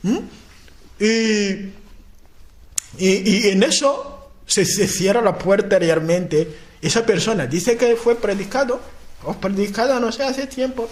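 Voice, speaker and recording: High-voiced animated male preacher. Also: slow pace, pauses often. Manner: animated, acts out people's replies, repeats and stammers. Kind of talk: spoken sermon talk. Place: convent hall. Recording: echoey room, faint noise.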